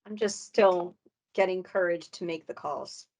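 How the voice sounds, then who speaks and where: A woman trainee answering in a group training, hesitant and quiet. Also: on the low side, measured pace.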